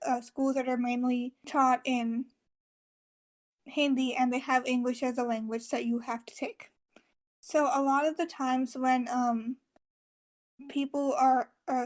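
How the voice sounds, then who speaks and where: High-voiced woman explaining earnestly. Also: darkish tone. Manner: earnest, filler-heavy explaining. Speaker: podcast co-host presenting research. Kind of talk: casual podcast discussion.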